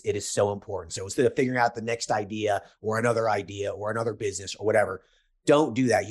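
Low-pitched man, blunt podcast coach. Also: a little mellow. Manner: blunt, emphatic, repeats key points. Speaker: podcast host and business coach. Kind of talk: casual coaching chat.

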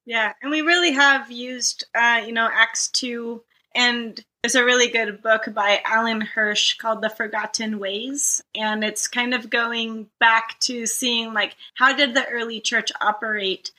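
Woman guest from Costa Rica, slightly high, bright forceful voice, relaxed chatty delivery. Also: a little slow, rough recording. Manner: relaxed, conversational, uses filler "like". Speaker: guest, ministry leader. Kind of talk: casual interview chat.

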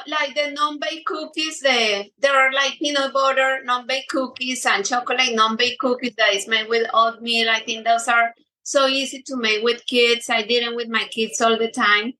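A woman's voice: a little high, sharp tone, low-quality recording. A middle-aged woman guest speaking in a casual interview, hesitant with many fillers and restarts. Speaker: guest baker.

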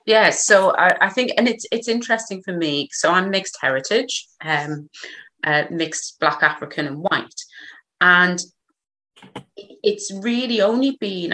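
A woman's voice: fairly low pitch, a bit bright, rough recording. A woman with a slight Geordie accent hosting an online discussion, chatty and a little hesitant. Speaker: host. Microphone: video call.

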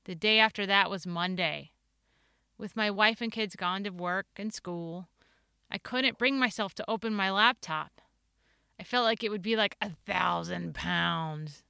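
A woman in her forties with a Midwestern American accent talks through her solo podcast in an earnest, playful way. Her voice is sharp and bright, smooth and clean. The recording is dry and close, with little sound of the room. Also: medium pitch, a little slow, no echo. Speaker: podcast host.

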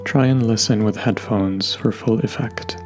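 A man guiding a meditation in a gentle, unhurried way, leaving long pauses between instructions. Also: fairly low pitch, steady tone. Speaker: meditation guide. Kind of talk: guided meditation narration. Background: soft background music.

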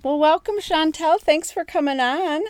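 A woman's voice: high-pitched, moderate pace, dry recording. An enthusiastic, chatty woman hosting a podcast in a friendly, upbeat way. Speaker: podcast host, interviewer. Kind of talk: podcast introduction and friendly interview. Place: small closet at home.

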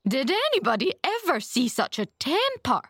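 Storybook role: woman as opinionated busybody, blunt, gloomy, emphatic, with lively swoops in pitch. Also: measured pace, no room sound, studio quality. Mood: indignant. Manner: outspoken, emphatic, solemn.

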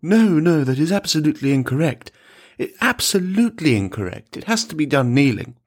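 Man playing a high-pitched, pompous stern priest. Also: sing-song, a little fast. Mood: stern, dismissive. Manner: emphatic, repetitive, haughty refusals.

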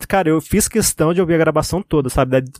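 Chatty Brazilian man, fairly high voice. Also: a little mellow, no echo. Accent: Brazilian Portuguese. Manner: chatty storyteller, drawn-out pauses and frequent fillers. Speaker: podcast co-host. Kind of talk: casual chat.

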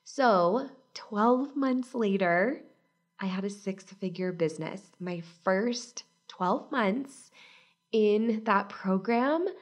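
A woman in her thirties hosting a casual solo podcast, upbeat and chatty, her voice husky from a cold. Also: mid-range voice, slow. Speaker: podcast host and business coach.

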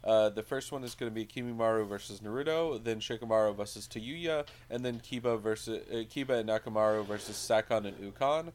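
A man co-hosting a podcast, recapping casually in a halting, hesitant way with dry jokes slipped in. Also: fairly low pitch. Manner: hesitant, halting, dryly joking. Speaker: podcast co-host.

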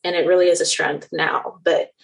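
Woman in her 30s, general American accent, lowish voice, earnest reflective interview guest. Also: fairly even intonation, normal speed, vocal fry, poor audio. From Nigeria and the Netherlands. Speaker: cosmetic surgeon guest. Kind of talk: interview conversation.

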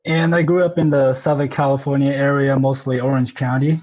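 A man in his thirties, born in Japan and raised in southern California, relaxed and casual as an interview guest, often pausing with "uh". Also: mid-range voice, dull audio. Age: 30s. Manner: relaxed, pauses with uh, tempo speeds and slows. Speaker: guest, brewery representative.

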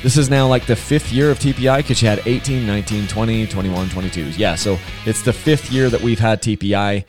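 A man's voice: on the low side, a little fast, few pauses, over music. A man hosting a casual solo podcast, chatty and enthusiastic, rambling with frequent restarts. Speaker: podcast host.

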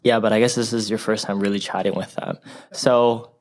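A man's voice: lowish voice, level tone, a little fast. A man co-hosting a casual podcast, chatty and upbeat as he leads the conversation. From raised in a Korean immigrant family. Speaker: podcast co-host. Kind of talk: casual chat.

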